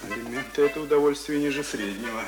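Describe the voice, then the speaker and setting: An actor playing a self-important middle-aged visitor in a Russian radio drama, moralizing in a pompous, repetitive way. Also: male voice, medium pitch, fast talker, close to an everyday voice. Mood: preachy. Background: loud accordion and music.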